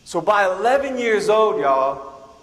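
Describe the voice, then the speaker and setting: A man from Guam speaks as a keynote speaker to students and tells his story with lively energy, acting out each voice in it. His voice sits high for a man. The sound bounces around a large school hall with a long, ringing reverb. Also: a little slow. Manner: animated, acts out dialogue from his stories. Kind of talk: motivational storytelling talk to students.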